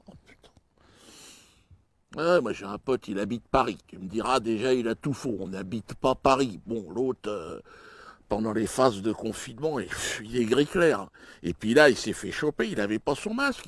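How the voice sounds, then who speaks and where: Male stand-up comic, crude and mocking, mid-pitched voice, dry close sound. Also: dry recording. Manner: crude, mocking, with sudden jumps in pitch and loudness. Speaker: stand-up comedian. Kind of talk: stand-up comedy routine.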